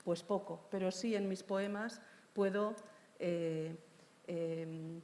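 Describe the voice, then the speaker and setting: Woman poet, panelist; low voice, measured, hesitant delivery; hall reverb. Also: fairly even intonation, a little mellow, a little hiss or hum. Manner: measured, hesitant with many fillers. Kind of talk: panel discussion. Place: large hall with long reverb.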